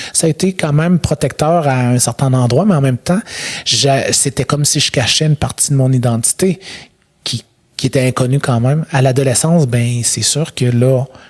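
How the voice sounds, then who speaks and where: Very even loudness, ordinary pitch variation and a moderate pace in a dry, close sound with no echo. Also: man, fairly high pitch for a man. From Quebec, Rivière-du-Loup (Bas-Saint-Laurent). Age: 30s. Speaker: podcast guest sharing his adoption story. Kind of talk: personal testimony in an interview. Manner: halting, with many fillers and repetitions.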